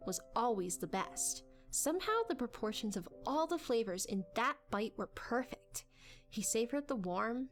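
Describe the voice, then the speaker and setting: Female narrator, dramatic audiobook reading, highish voice, expressive swings, background music.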